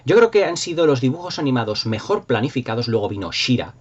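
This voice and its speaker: Here the same kind of host, a middle-aged Spaniard with a Spain Spanish accent, talks to his viewers in a medium-pitched, slightly rough voice at a quick, very animated pace. His nostalgic chatter is casual, enthusiastic, emphatic and wandering, captured with dull lo-fi audio.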